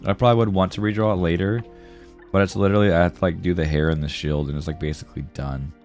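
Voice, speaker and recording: A man draws on a livestream and chats casually with viewers over background music, friendly and full of slang. He speaks quickly in a deep, slightly mellow voice with fairly even intonation. Congestion and a sore throat colour his voice.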